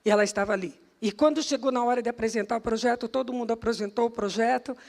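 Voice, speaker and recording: A middle-aged woman from Brazil with a Brazilian Portuguese accent, telling a personal testimony as a prophetess, lively, laughing often and repeating words as she goes. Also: on the high side, fast. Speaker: prophetess and intercession leader.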